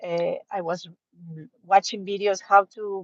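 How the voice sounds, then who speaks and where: At a fairly slow pace, a woman speaks in a medium pitch with a dry, close sound and no echo. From Ecuador. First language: Spanish. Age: 40s. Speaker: vlogger practicing English. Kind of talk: casual live monologue. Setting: in a car. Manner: halting.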